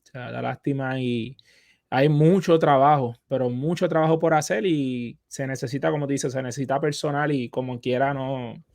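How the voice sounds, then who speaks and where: A man's voice: medium pitch, fairly even intonation, normal speed, vocal fry, darkish tone, no room sound, studio quality. A man hosting a casual conversation, often jumping in with affirmations. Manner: affirming, eager interjections. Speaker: host.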